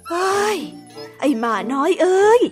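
A woman voicing a gruff, scolding rural mother in a children's story drama, blunt and bossy. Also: a little slow, close to an everyday voice. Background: background music.

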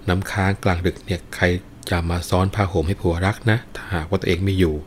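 A grieving young wife from an old folk tale, speaking in a lamenting, pleading way, as a man voices her. The voice is very low and deep. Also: level tone, fast talker, slight background noise, lightly acted.

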